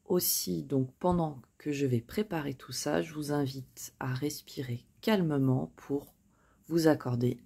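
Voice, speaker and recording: Her voice is low and dark, with vocal fry and a breathy edge, and she keeps a measured pace. As a tarot reader doing a casual spoken reading, she lays out cards for viewers in a chatty, hesitant way, full of fillers and self-directed jokes.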